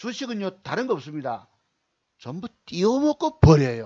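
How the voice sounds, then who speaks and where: A man with a high pitch and a dark, mellow tone speaks fairly slowly, his pitch swinging very widely. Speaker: stock trading lecturer. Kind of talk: lecture. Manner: animated.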